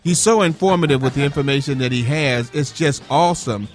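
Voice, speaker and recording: A man's voice: a little high, faint music behind. A man from Chicago hosting a radio talk show, speaking with enthusiastic, rambling energy. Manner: enthusiastic, repetitive, fast bursts.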